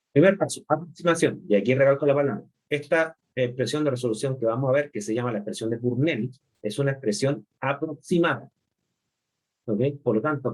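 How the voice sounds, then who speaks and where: A man's voice: on the high side, darkish tone. Man lecturing, checking in with students. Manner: explanatory, checks in with "¿ok?" and "¿no es cierto?". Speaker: chemistry lecturer. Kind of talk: online lecture. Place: remote class.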